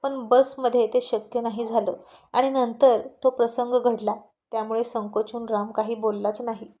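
A woman storyteller narrating a romance tale in a steady, expressive way. Her voice sits fairly high and sounds mellow and warm rather than bright. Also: normal speed.

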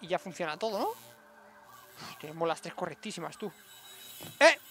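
A man's voice: high voice, sing-song, normal speed, sharp tone, a little hiss or hum. A man with a Spain Spanish accent giving let's-play commentary, muttering to himself and bursting into exclamations, recorded on a desk mic at home. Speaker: gaming streamer.

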